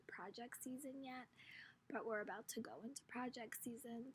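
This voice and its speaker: A young woman talks through her reading progress in a casual vlog, her hoarse voice slightly raised in pitch. A gravelly fry creeps into her words, and a faint hiss sits under the recording. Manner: chatty and rambling, frequent "um" and "really". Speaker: book vlogger and teacher.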